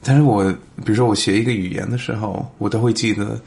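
Low-voiced foreign man with accented Mandarin, gravelly. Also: fairly even intonation, fast talker, darkish tone. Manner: fluent, slips in English words. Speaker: podcast guest. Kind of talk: casual interview conversation in Mandarin as a foreign speaker.

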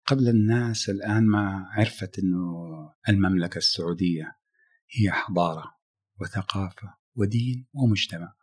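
A middle-aged man from Arabia, a musician guest talking in a casual interview, reflective and halting, often restarting his phrases. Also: low-pitched, darkish tone, husky. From Saudi Arabia.

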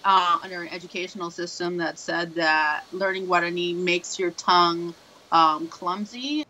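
A woman answering interview questions in a thoughtful, measured way. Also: fairly low pitch, steady tone, pushed and bright, poor audio.

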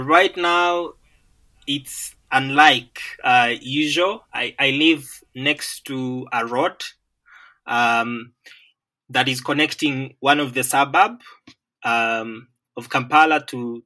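Brief: Ugandan man, unhurried and measured, bright forward voice, lots of filler pauses. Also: mid-range voice. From Western Uganda. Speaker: land management professional. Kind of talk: remote interview conversation.

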